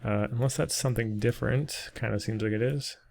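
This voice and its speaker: A man narrates a casual screen-recorded 3D texturing tutorial. His voice is gravelly at mid pitch and a little worn, as if he is losing it. He thinks aloud as he works, with frequent ums and uhs. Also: a little fast, a little mellow. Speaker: 3D modeling tutor.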